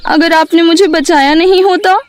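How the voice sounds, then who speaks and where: A woman voicing a poor, earnest young girl with a pleading manner in an animated moral story. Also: very high-pitched, moderate pace. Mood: tearful, grateful. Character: poor, earnest young girl selling toys, tearful and grateful.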